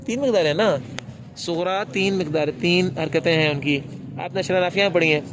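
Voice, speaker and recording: A man's voice: high voice, noisy background. A man teaching a class on the rules of Quran recitation, asking his students questions and answering them himself. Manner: briefly chants a recitation demonstration.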